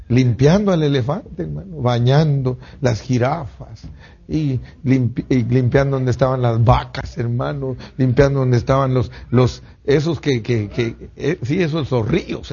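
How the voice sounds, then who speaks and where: A man preaching a sermon in an animated way, swinging between loud bursts and hushed asides. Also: medium pitch, vocal fry, a little hiss or hum. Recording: dull lo-fi recording.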